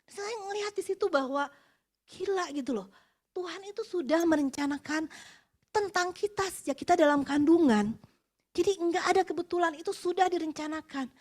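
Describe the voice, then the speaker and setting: A woman in her 40s from West Java delivers a personal testimony sermon to an office worship meeting at normal speed, her voice very high. Expressive and chatty, she drops in English phrases and laughs between her points.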